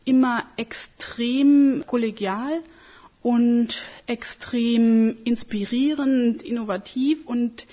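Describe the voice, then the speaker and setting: A woman's voice: a little high, steady tone, takes it slowly. Woman, thirties, scholar, radio interview, emphatic, hesitant, slightly dull sound. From Germany. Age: 30s.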